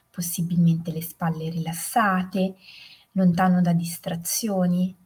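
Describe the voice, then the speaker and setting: Slow, breathy woman, half-whispering. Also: fairly low pitch. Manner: soft, often half-whispered. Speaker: podcast host. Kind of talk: guided reflection and storytelling.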